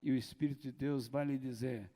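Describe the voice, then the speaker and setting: A man preaching a sermon as pastor, slow and deliberate, breaking now and then into shouted dramatizations. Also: medium pitch, fairly even intonation. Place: church hall. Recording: long hall reverb.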